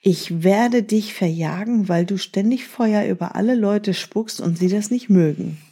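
A woman's voice: medium pitch, measured pace, warm tone, husky. A woman reading a determined young prince. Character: young half-boy prince, determined, longing.

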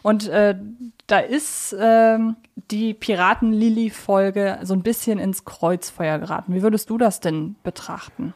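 A woman's voice: medium pitch, fairly even intonation, measured pace, few pauses, darkish tone. A woman co-hosting a casual, analytical podcast, who often searches for her words and corrects herself as she talks. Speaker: podcast co-host.

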